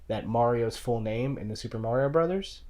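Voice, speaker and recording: A man co-hosting a talk show in casual, halting, rambling chat. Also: medium pitch, darkish tone. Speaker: show co-host. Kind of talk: casual chat about video game movies.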